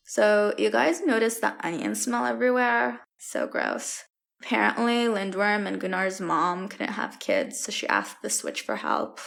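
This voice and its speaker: Exasperated young student, played by a woman: wry, incredulous, casual, gravelly fry at a middle pitch. Audio comedy. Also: fairly bright tone, heavily acted. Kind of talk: audio drama comedy acting.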